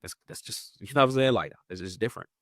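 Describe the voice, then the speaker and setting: A man in his twenties, talking in a rambling, casual way, leaning on "like" with lively jumps in pitch. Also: fast, no echo, studio quality. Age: 20s. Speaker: guest. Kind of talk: casual interview chat.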